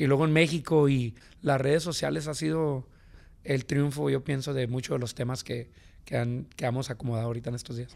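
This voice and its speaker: On a very clean recording with a silent background, a man uses a normal speaking voice, medium in pitch with fairly even intonation, at a fairly quick pace. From Southern California, Venice Beach, son of Mexican immigrants. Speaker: record label founder. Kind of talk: interview, casual bilingual chat.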